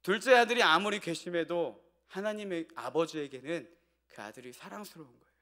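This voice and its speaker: A male pastor preaches an evening sermon in church. His voice sits a little higher than most men's, and he tells a homely family story as though talking it over with the congregation. Now and then he throws rhetorical questions out to the pews. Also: lively intonation, fairly quick, fairly bright tone.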